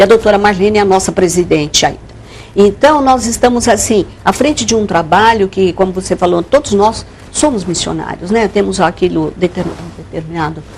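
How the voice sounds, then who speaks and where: A woman talks at a fairly quick pace and medium pitch with lively intonation. Noticeable background noise can be heard. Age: 70s. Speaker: retired forensic doctor, spiritist speaker. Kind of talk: TV interview.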